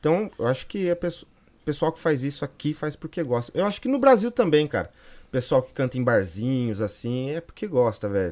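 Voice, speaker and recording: Speaking at a fairly quick pace, a man has a fairly high voice. His pitch swings very widely. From interior of São Paulo state, Brazil. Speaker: sertanejo singer. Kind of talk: interview.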